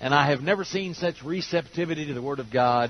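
The man's voice comes across dry, with no echo. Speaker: preacher. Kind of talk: sermon. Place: church.

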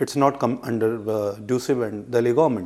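A man speaks against a quiet background. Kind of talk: interview answer. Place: office.

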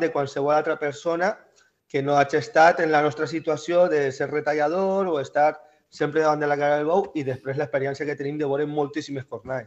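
Here, a man in a plain, everyday voice speaks at a fairly quick pace in a fairly high pitch with fairly even intonation. The background is quiet. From Valencia region, Spain. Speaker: amputee athlete, former bull-running participant; interview guest. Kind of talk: interview. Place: home room. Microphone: video call.

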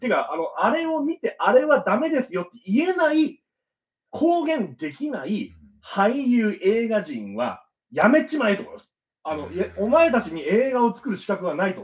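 Extremely high in pitch, a man speaks at a moderate pace with very wide pitch swings and big swings in loudness over a quiet background. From Kyushu, Japan; Japan. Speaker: actor; guest actor. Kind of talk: live-stream interview. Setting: live stream. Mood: indignant about industry harassment. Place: studio.

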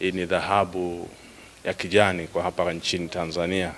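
The man has a very deep, low pitch. His pace is moderate. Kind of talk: interview answer. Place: hall. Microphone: handheld.

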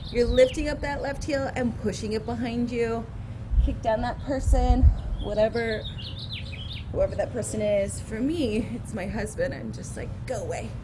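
A woman at a moderate pace against noticeable background noise. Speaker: fitness instructor. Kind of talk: guided exercise class, cueing movements. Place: garden.

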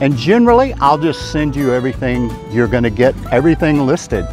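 A man talks at a fairly quick pace with clear music in the background. The sound is dry with no echo. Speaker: travel video host. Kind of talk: casual vlog chat. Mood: friendly, upbeat. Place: street.

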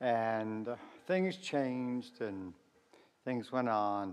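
Fairly even in intonation, a man speaks at a medium pitch. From New Jersey, US (born in Scotland, moved at 9). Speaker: member of the public, entertainer. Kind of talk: public comment at council meeting. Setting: city commission meeting chamber.

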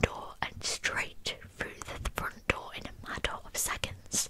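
Whispering, a woman reads out her words at a very slow pace. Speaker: true crime narrator. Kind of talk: storytelling narration with asides. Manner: soft, close-mic ASMR speech. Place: home room. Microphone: studio mic.

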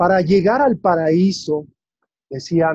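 Speaking at a very slow pace, the voice carries a dark, mellow tone. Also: man. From Mexico. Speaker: actor and storyteller. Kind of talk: book launch presentation talk.

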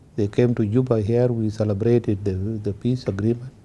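A man's dark, mellow tone at a moderate pace, flat and monotone in intonation. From South Sudan. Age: 60s. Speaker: head of state. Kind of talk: interview answer. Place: hall. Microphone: lapel.

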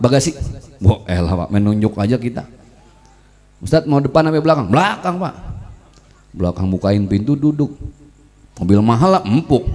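Speaking with a Jakarta accent, a man uses an animated tone and a fairly quick pace. His pitch swings very widely, broken by long, frequent pauses. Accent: Betawi Jakarta Indonesian. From Jakarta, Betawi. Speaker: Islamic preacher. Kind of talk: sermon. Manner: animated storytelling. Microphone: handheld.

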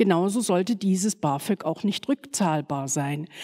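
Against a quiet background, a woman with a dark, mellow tone speaks at a fairly slow pace with very wide pitch swings. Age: 50s. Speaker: politician. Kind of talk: panel debate. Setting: lecture hall with audience. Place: hall. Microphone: handheld.

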